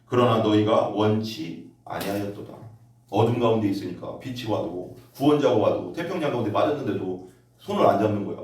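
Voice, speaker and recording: A male pastor preaches in a big echoey church hall, his voice picked up from some distance. He tells stories and reads scripture, and his pitch climbs steeply when he gets worked up. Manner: storytelling, rises sharply in pitch when excited. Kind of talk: sermon. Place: church sanctuary.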